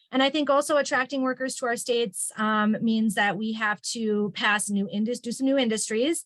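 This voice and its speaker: Speaking at a fairly quick pace, a woman with an Upper Midwest accent has a fairly high pitch and ordinary pitch variation. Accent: Upper Midwest American. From Minnesota, Lakeville. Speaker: politician. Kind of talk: candidate forum answers. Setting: video call. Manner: fast.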